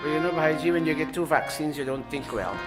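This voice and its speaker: High-voiced man directing a temple ceremony. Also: fast talker, over music. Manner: directive, joking, apologetic asides. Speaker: temple priest leading a ceremony. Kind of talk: live ceremony directions to congregation.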